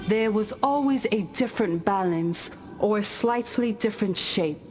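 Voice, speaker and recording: An actress playing a solemn tribal woman who tells ancestral fables in a measured, grave, deliberate way for a video game. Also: medium pitch, slight background noise, lightly acted. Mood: gentle wonder. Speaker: game character storyteller. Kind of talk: scripted storytelling of parables.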